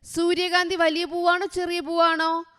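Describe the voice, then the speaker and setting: A woman teaching young children, quizzing them with short, repeated questions in a slow, clear manner. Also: very high voice, monotone, a bit bright, big-room sound. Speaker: online tutor for first graders. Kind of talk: exam revision lesson for young children.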